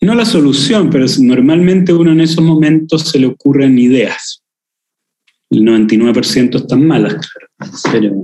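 The speaker has a Chilean accent and a dark, mellow tone, with lively intonation. The pace is fairly slow, the loudness very even, and the pauses long and frequent. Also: man, fairly high pitch for a man. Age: 50s. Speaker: physicist and writer. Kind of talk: interview.

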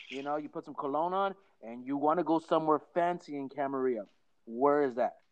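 A man with a normal speaking voice talks at a fairly quick pace with big swings in loudness. His pitch is fairly high, with ordinary variation. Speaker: podcast host. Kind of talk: casual chat. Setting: phone call.

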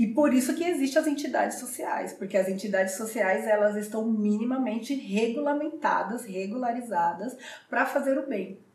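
Set against noticeable background noise and audible room echo, a woman speaks at a fairly high pitch with ordinary pitch variation. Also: moderate pace. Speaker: social worker. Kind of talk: interview.

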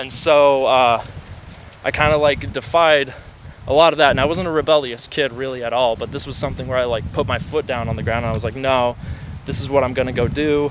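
With noticeable background noise, a man in an American accent talks at medium pitch with fairly even intonation. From rural Illinois, US Midwest. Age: 20s. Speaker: podcast guest, former game design student. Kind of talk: casual chat. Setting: outdoors on a river trail. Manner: talkative.

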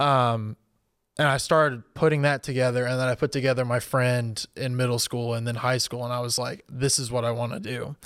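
A man with an American accent and an ordinary speaking voice talks at a medium pitch and a fairly quick pace, with fairly even intonation. The recording is very clean, with a silent background. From Texas, Dallas area. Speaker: university student and videographer. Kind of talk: casual chat.

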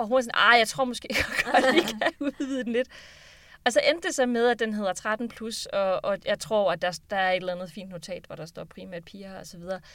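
With an ordinary speaking voice, a woman talks at a moderate pace in fairly high pitch, showing big swings in loudness. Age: 40s. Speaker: author. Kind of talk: interview.

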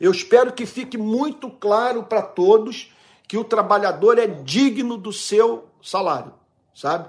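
A high-pitched man at a fairly slow pace, with ordinary pitch variation and big swings in loudness. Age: 50s. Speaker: pastor and teacher. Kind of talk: livestream talk with Q&A. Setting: home study, livestream.

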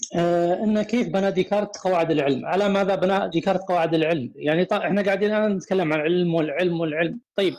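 A man talks at a fairly quick pace with a high pitch and hardly any pauses. His intonation is fairly even and his loudness very even. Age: old. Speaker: caller in a debate room. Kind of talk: debate.

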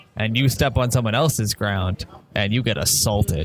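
A man speaks at a medium pitch and moderate pace with ordinary pitch variation. Noticeable background noise is present. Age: 20s. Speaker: podcast co-host. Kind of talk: casual chat. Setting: restaurant.

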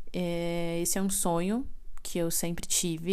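A woman with a fairly low pitch speaks fairly slowly and with fairly even intonation, and the room echo is audible. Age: 20s. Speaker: podcast host. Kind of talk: casual solo monologue.

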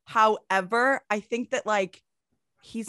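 A woman's unremarkable speaking voice, medium in pitch and fairly slow, in a dry, close sound with no echo. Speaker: podcast co-host and comedian. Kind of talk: casual comedic banter.

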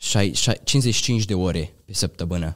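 A man speaks at a fairly low pitch in a very clean recording with a silent background and a dry, close sound with no echo. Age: 20s. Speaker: young entrepreneur. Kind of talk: interview. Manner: halting.

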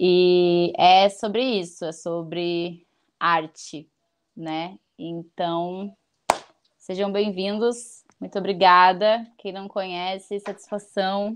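A very slow pace with fairly even intonation. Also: woman, medium pitch for a woman, big swings in loudness. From Rio Grande do Sul, Brazil (Barra do Ribeiro). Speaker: rapper. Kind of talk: casual interview.

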